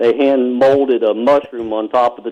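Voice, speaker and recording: Noticeable background noise accompanies speech delivered with monotone, flat intonation. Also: man. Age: 60s. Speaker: bike show organizer. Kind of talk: casual interview chat.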